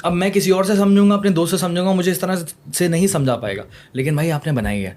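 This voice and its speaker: A man hosting a podcast, chatting casually and slipping English phrases into his talk. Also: high voice. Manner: chatty, mixes English phrases, warmly impressed. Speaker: podcast host.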